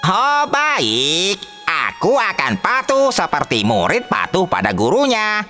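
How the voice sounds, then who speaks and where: Woman doing a sweet slow little rabbit. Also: mid-range voice, huge pitch swings, pushed and bright, soft background music, full character voice. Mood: earnest. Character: small gentle young rabbit, obedient.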